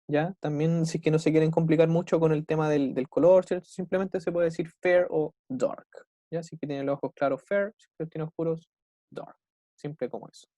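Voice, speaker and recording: A young adult man with a Chilean Spanish accent, teaching an English class online. He keeps checking in with his students and slows right down to model English phrases. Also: a little high, dark tone, no echo, clean studio sound. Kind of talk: online class explaining vocabulary.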